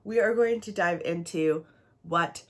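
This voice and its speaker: A woman's voice: lowish voice, a little slow. Chatty, rambling woman with a stuffy nose. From Canada. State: a little snuffly from a cold; a little tired. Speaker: book vlogger. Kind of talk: casual chat to camera.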